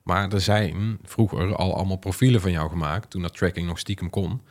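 A man's voice: low-pitched, brisk. A man hosting a podcast, chatting casually about technology. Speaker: podcast host. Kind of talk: casual tech podcast chat.

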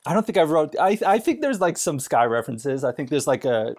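A man speaking as a podcast guest in casual, comic film discussion, animated and halting, with false starts and frequent laughter as he talks. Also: fairly high pitch. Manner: animated, laughing often while talking.

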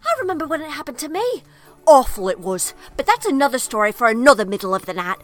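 A woman playing an excitable, playful time-travelling leader in a dramatised story, chatty and eager. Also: sits high, quick pace. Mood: earnest, eager.

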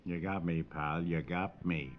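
Mild 1950s radio dad, noisy recording. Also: male voice, sits low, steady tone, a little slow, lo-fi sound. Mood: sheepish. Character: mild, easygoing husband and indulgent father. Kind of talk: 1950s radio comedy acting.

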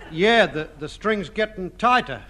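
A dim-witted sidekick. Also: male voice, high voice, expressive, a little slow, sharp tone, full character voice. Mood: hapless. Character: dim-witted, hapless working-class male sidekick. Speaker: comic sidekick. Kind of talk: 1950s radio sitcom acting. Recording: noisy old radio broadcast.

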